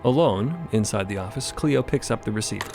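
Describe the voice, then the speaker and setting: A man's voice: fairly low pitch, animated, fairly quick, creaky, over music. A man narrating a scripted dramatic story as one of several narrators.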